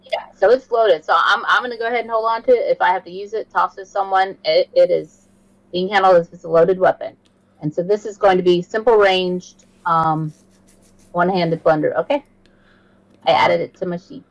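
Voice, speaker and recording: A woman's voice: lowish voice, steady tone, moderate pace, rough recording. A woman talking casually as a player in a tabletop role-playing game.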